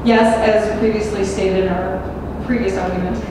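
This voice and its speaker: A young adult woman, a student debater, arguing quickly and assertively in a formal debate. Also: medium pitch, steady tone. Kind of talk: formal debate, cross-examination. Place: large echoey university hall. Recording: echoey hall, distant mic, background noise.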